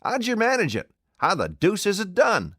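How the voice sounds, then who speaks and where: A man voicing an excitable old English tramp who blusters and fumbles his words in an audiobook. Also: sits high, normal speed, dry recording, clean studio sound, pitched above the performer's own voice, heavily acted. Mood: bewildered. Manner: blustering, flustered, dialect-heavy. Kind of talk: audiobook character voice.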